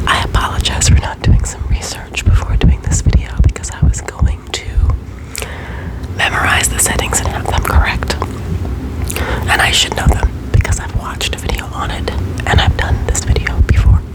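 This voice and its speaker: A woman's voice: moderate pace, rough recording. A middle-aged American woman whispering a chatty, rambling ASMR monologue very close to the microphone in a room at home. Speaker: ASMR video creator. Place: small room at home, indoors. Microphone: USB condenser microphone held close to the mouth.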